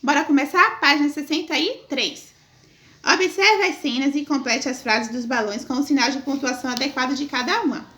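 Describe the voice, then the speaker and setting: A woman's voice: sits high, normal speed, sharp tone. A woman teacher from Northeast Brazil, talking affectionately to young children in a video lesson and stretching her words for them. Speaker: primary school teacher.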